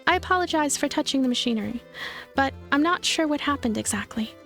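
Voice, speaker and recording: Woman acting young heroine, visual novel, hesitant, polite, guarded, high voice, light music. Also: animated, vocal fry, fairly bright tone, exaggerated voice. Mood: uncertain. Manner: polite, halting.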